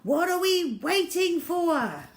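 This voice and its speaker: A woman's voice: extremely high pitch, big pitch swings, slow pace, pitched above the performer's own voice, exaggerated voice. A woman voicing an urgent, commanding male chief of an island boat crew in a story reading. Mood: rousing. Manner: loud, commanding, rallying cries.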